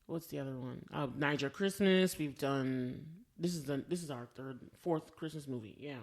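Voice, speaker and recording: A woman's voice: extremely low pitch, moderate pace, a little mellow. Chatty woman co-hosting a film review podcast. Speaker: podcast co-host reviewing films. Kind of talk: casual chat, film review.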